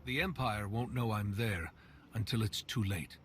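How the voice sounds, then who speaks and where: An actor playing a composed, confident Jedi commander in a game cutscene. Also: male voice, on the low side, moderate pace, a bit bright, slight background noise, close to an everyday voice. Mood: resolute.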